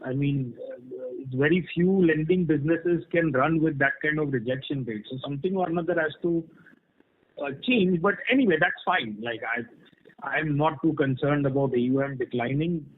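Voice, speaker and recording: Speaking at normal speed in a slightly high voice, a male executive answers analysts on an earnings call. He explains frankly and off the cuff, regularly checking in with "right?", while the conference call line sounds muffled and band-limited.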